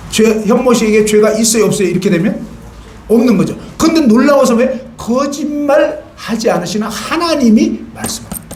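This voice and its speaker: A man's voice: very high voice, animated, moderate pace, darkish tone, slight background noise. A man preaching a sermon in a church. He talks conversationally, keeps asking the congregation questions and acts out little scenes. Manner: questions the congregation and asks for answers. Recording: roomy church hall.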